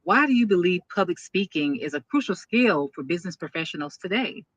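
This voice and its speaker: A woman's voice: on the low side, animated, brisk, dry recording, dull audio. A woman hosting a business interview show, talking in an upbeat, enthusiastic, promotional way. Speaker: podcast host and speaking coach.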